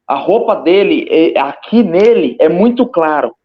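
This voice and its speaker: High-voiced Brazilian man, hesitant and repeating. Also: animated, measured pace. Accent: Brazilian Portuguese. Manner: hesitant, repeats words, re-enacts with gestures. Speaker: interview guest recounting a near-death experience. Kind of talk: casual personal testimony. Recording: slightly muffled lo-fi audio.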